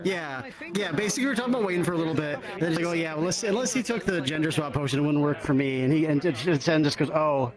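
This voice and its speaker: Brief: male DM type, voice sits fairly high, rambling laughing storyteller, noisy voice chat. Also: quick pace, crowd noise. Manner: rambling, laughing through his words. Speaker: dungeon master. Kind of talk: excited casual storytelling. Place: VR chat session with other players talking.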